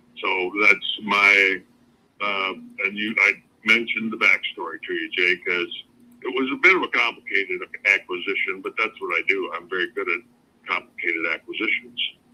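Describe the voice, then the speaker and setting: A man with an Upper Midwest US accent talks at a moderate pace. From Flint, Michigan. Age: 70s. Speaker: real estate investor selling a property. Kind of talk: phone sales call.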